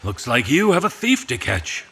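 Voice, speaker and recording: A sly, controlling puppet-shop gentleman in an audio drama. The voice is husky and sharp, with very animated pitch. Formal, deliberate wording carries a polite menace. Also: exaggerated voice. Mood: falsely pleasant. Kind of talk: scripted audio drama dialogue.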